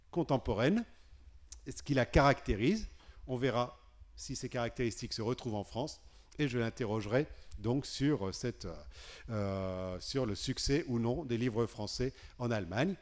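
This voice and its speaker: A man's voice: mid-range voice, darkish tone. A man moderating a festival panel, fluently introducing his guest. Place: festival stage with audience.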